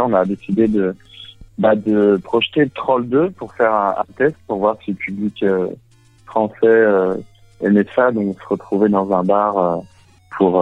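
Over a dull, band-limited phone line with faint background music, a French-accented man from France joins a relaxed phone interview as a guest. He pauses and hesitates as he looks for the right words, and his fairly low voice is recorded dry.

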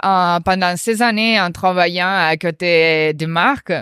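A woman's voice: lowish voice, unhurried, fairly bright tone, clear, resonant tone, dry recording, clean studio sound. A woman with a foreign accent in French, explaining her work in an interview and often searching for words as a non-native speaker. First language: not French. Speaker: company representative being interviewed.

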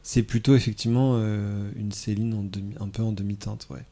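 A man on a podcast panel who reads a short summary and then talks hesitantly, with many pauses and fillers. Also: lowish voice, fairly even intonation, vocal fry, warm tone. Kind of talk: casual podcast chat.

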